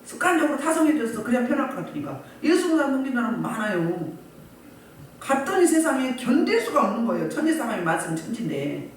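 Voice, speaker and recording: A woman pastor preaching a sermon, animated and asking the congregation rhetorical questions. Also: a little high, fast, a little hiss or hum. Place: church hall. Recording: echoey church hall, voice from a distance.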